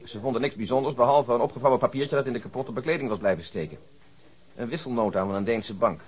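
Man acting a police detective, radio drama, mid-pitched voice, dry, factual, orderly, businesslike. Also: fast talker, a little mellow, lightly acted. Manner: matter-of-fact, orderly briefing. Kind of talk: radio play dialogue.

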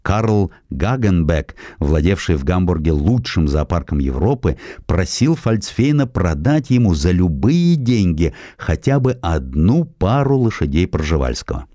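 A man reads a scripted historical essay as an audiobook narrator, in an expressive, measured storytelling manner. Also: deep voice, no echo, studio quality. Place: studio.

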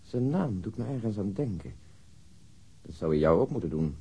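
A man's voice: lowish voice, very animated, normal speed, warm tone, husky, exaggerated voice. An actor playing a stolid, pedantic male police detective, precise and humorless, in a Dutch radio crime drama. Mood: matter-of-fact.

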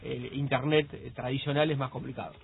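A man's voice: medium pitch, fairly even intonation, fairly quick, gravelly. A man with an Argentine accent co-hosting a radio tech show, chatting loosely and joking, often restarting his sentences. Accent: Argentine Spanish. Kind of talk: casual radio chat. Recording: phone-like radio broadcast.

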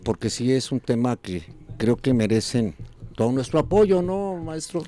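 A man's voice: mid-range voice, big pitch swings, a little slow, mellow. A Mexican man hosting a casual talk show, rambling with many fillers and restarts. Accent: Mexican Spanish. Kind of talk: casual radio chat.

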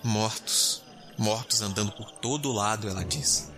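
A man's voice: lowish voice, a little slow, a crowd in the background. A man playing a nervous, skeptical space explorer captain in an audio drama, grumbling and stammering when alarmed. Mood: panicked.

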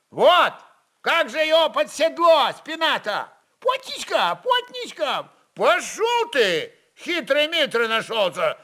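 A man voicing rough, excitable Cossack horsemen who bicker and shout in folksy speech in a dramatized reading. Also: very high voice, voice pushed up, heavily acted. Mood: scornful.

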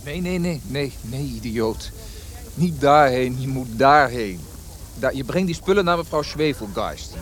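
Actor as exasperated young officer cadet, very animated. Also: male voice, medium pitch, a little slow, slight background noise, close to an everyday voice. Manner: blustering, impatient, stammers in indignation. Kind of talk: radio drama acting.

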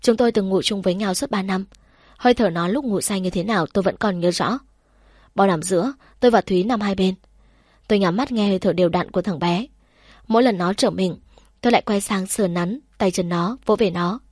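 A woman narrates a novel in the first person, calm and steady in her storytelling. Her voice sits at a middle pitch and is recorded close and dry, with no room sound. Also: dry recording. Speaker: audiobook narrator.

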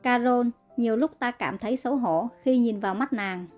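A woman reading the part of a proud young male king speaking gently and earnestly in a narrated story. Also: a little high, moderate pace, faint music behind, lightly acted. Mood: tender.

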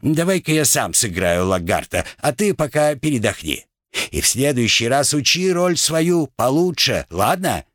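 A man's voice: medium pitch, big pitch swings, measured pace, fairly bright tone, no room sound, voice pushed up. A scheming male ship rat with a hissing, theatrical way of talking, voiced by a man. His voice sits well above the reader's own and leaps up and down. It is close and dry, with no room sound. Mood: exasperated.

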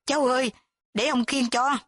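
A woman's voice: mid-range voice, lively intonation, normal speed, no room sound, lightly acted. A woman voicing an anxious old grandfather in an audio story, pleading and worried.

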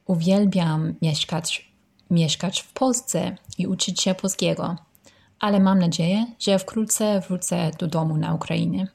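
Slow, hesitant British woman, English-accented Polish. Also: lowish voice, steady tone, creaky, darkish tone. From United Kingdom. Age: 30s. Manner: halting, hesitant learner's delivery. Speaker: listener sending a voice message. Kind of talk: informal self-introduction in a learner's Polish.

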